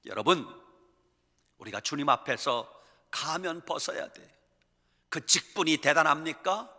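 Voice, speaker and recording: A man's voice: a little high, expressive, a little slow, pushed and bright. A male pastor preaching a sermon in a church, emphatic and vivid, acting out the stories he tells. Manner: emphatic preaching, acts out quotes and animals. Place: church sanctuary. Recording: reverberant church hall.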